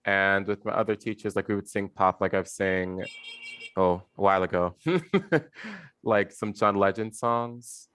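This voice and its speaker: A very deep-voiced man on a dry video call, describing his singing to a teacher. He rambles casually, leaning on "like" and sometimes laughing at himself. The line sounds close and dead, with no room around him. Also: measured pace, a bit bright, clear, resonant tone, no echo. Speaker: voice student.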